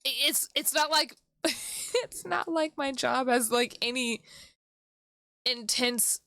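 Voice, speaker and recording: A woman's voice: high voice, slow, vocal fry, no room sound, clean studio sound. A tired woman streaming a game, chatting casually in a rambling, self-deprecating way. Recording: loud music behind. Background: music.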